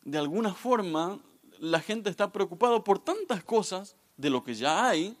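A man in his thirties, a guest pastor, giving a lively, joking youth sermon straight to the audience. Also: sits high, moderate pace. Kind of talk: youth sermon with humorous stories.

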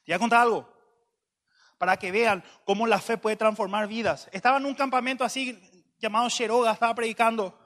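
Male preacher; high, sharp-toned voice; conversational, humorous storytelling. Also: fairly even intonation, a little fast. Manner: joking, conversational, bursts of loud emphasis.

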